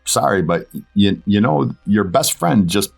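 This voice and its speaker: A man talking casually as an interview guest, thinking aloud in short, halting phrases. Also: on the low side, lively intonation, vocal fry. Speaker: voice actor and director, interview guest. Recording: music behind the voice. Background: background music.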